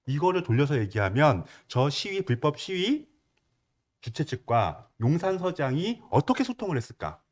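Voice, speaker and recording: A man's voice: on the high side, very animated, moderate pace. A male commentator on a talk show who lays out his own speculative scenario at length. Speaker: political commentator. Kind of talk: casual panel talk show.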